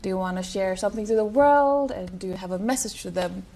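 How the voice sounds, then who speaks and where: A woman TV interviewer, asking short questions and adding quick backchannels. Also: mid-range voice, dark tone. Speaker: interviewer, TV host.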